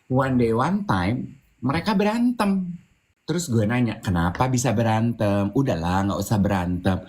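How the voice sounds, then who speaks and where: A co-host with a medium-pitched voice tells a story at a moderate pace in a casual chat, his delivery animated. He sprinkles English phrases into his speech and acts out the voices of the people in the tale.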